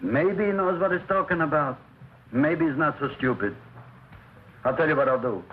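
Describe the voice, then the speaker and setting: Brief: man as gruff penny-pinching shopkeeper, muffled old film, light hiss. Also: on the high side, moderate pace, close to an everyday voice. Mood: grumpy. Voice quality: gruff, excitable, stammering. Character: grumpy stingy older shop owner. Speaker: flower shop owner.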